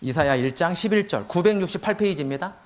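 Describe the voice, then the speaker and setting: A man's voice: high voice, lively intonation, fast. A man teaching a church parenting class, walking through the steps and acting out what a mother might say. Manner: explains steps, acts out a mother's lines. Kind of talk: Bible class lecture.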